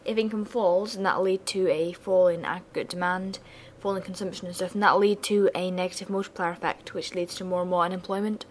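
A young woman, hoarse and losing her voice, giving a chatty revision lesson with casual asides. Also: on the low side, steady tone, brisk, a little hiss or hum. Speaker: student revision tutor.

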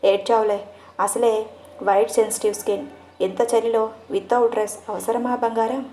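A woman's voice: fairly high pitch, level tone, moderate pace, mellow, slight background noise, close to an everyday voice. A woman narrator voicing an exasperated but affectionate young husband. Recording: echoey room.

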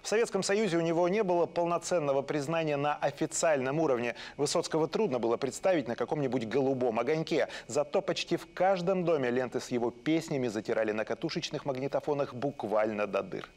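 A man in his thirties reading the news in a television studio, crisp and formal. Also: a little high, fast, few pauses, a little mellow. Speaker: news anchor.

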